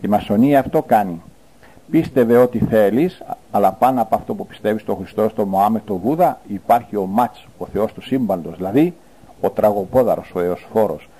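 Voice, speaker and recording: A man, a priest, preaching a fiery sermon in a scornful, denouncing manner, with sudden loud outbursts. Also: lowish voice, slightly rough, poor audio.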